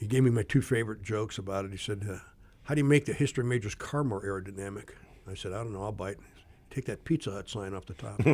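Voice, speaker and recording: A man with an American accent talks at a very fast pace, sounding somewhat breathy. The recording is very clean, with a silent background. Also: fairly low pitch for a man, ordinary pitch variation. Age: 60s. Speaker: retired Air Force pilot and flight instructor. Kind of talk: casual interview conversation.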